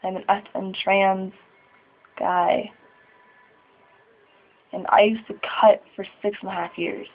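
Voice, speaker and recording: A 21-year-old trans man talks haltingly in a confessional vlog, his nerves showing in sighs and small laughs. His voice has a gravelly fry. The recording sounds thin and phone-like. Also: high voice, flat delivery. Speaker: vlogger.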